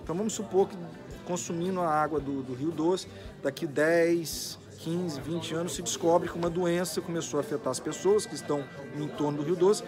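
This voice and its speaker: A middle-aged Brazilian man, a judge being interviewed, explaining legal concepts in a measured, didactic way. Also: a little high, steady tone, music in the background. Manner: didactic, with hypothetical examples.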